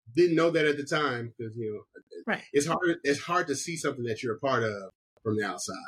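A man with an American accent and an unremarkable speaking voice talks at a fairly quick pace and a fairly high pitch, with lively intonation. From Iowa, Tennessee and Ohio, US. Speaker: singer-songwriter and vocal producer. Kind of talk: casual interview.

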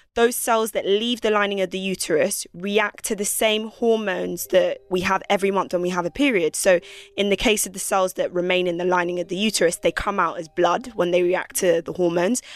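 A woman with a plain, everyday voice at a medium pitch speaks fairly quickly with fairly even intonation and hardly any pauses. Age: 20s. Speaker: endometriosis patient. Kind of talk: testimony.

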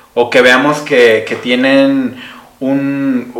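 This man's voice sits at a medium pitch. The room echo is audible and background noise is noticeable. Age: 30s. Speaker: podcast co-host. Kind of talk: casual interview.

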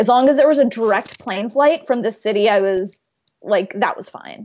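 Her pitch fairly high and varying in an ordinary way, a woman talks at a moderate pace. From US (Oklahoma). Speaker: podcast co-host. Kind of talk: casual chat.

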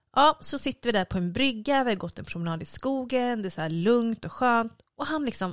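An unremarkable speaking voice from a woman with lively intonation, dry and close with no echo, on a very clean recording with a silent background. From Sweden, Örebro. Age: 30s. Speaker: beauty industry worker. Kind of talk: casual chat.

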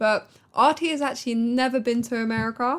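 An unremarkable speaking voice from a woman, moderate in pace with ordinary pitch variation, on a very clean recording with a silent background. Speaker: podcast host. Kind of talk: casual chat.

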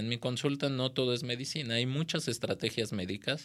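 A man with a normal speaking voice at a moderate pace, ordinary pitch variation, on a very clean recording with a silent background. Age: young. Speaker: geriatrician. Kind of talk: interview.

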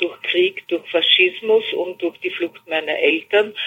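A woman speaks with fairly even intonation. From Vienna, Austria. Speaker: author and activist. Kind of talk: interview. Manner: hesitant with fillers.

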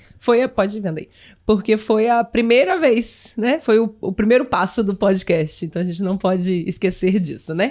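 Against a quiet background, a woman talks at a moderate pace and medium pitch. Her pitch varies in an ordinary way. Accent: Brazilian. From Brazil. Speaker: podcast co-host. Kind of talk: live stream chat with listeners.

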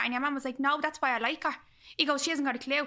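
A woman projects her raised, high-pitched voice in an animated, bright and sharp tone. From Ireland. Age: 20s. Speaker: social media personality. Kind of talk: casual chat. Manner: animated storytelling.

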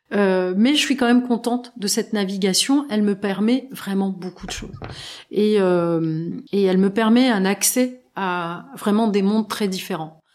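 Fairly slow speech from a woman, medium in pitch, with ordinary pitch variation. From France, Kabyle immigrant family. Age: 50s. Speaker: filmmaker. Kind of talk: interview. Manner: halting.

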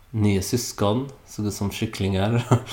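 A somewhat breathy man's voice, fairly low in pitch. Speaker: podcast host. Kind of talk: personal storytelling monologue. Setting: apartment.

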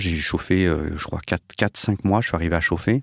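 On a very clean recording with a silent background, a man with a very deep, low voice shows ordinary pitch variation in a dry, close sound with no echo. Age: 40s. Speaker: home energy and food self-sufficiency experimenter. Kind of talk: interview. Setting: studio.

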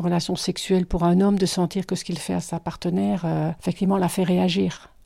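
In a very clean recording with a silent background, a woman speaks at a medium pitch. Her tone is dark and mellow. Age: 60s. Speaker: anonymous testimony contributor. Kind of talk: testimony.

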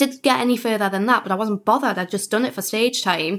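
In a very clean recording with a silent background, a woman with a Geordie accent talks at a very fast pace with ordinary pitch variation. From Newcastle, northern England. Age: 20s. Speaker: comedian. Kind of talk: casual chat.

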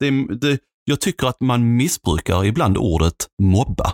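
In a very clean recording with a silent background, a man with a plain, everyday voice speaks at medium pitch with lively intonation. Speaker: podcast co-host. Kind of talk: casual chat.

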